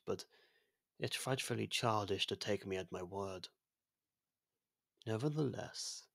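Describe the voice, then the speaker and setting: Ancient world-ending entity for ASMR audio roleplay, male performer. Gravelly, even delivery, soft, formal and gently confiding. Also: on the low side, no echo, studio quality, exaggerated voice. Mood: fond, gentle. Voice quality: husky, creaky, soft. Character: ancient genocidal otherworldly being, imprisoned, now courteous and fond.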